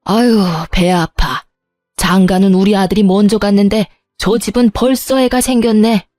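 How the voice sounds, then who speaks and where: A woman voicing a nagging, sharp-tongued middle-aged mother-in-law who scolds and sighs sarcastically. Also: mid-range voice, steady tone, normal speed, no room sound, clean studio sound, faint music behind, close to an everyday voice. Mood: scornful.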